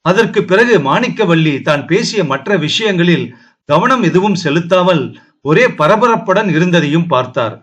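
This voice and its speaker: A man narrates a historical novel for an audiobook, steady and dramatic in his storytelling. His voice sits somewhat high for a man. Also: moderate pace.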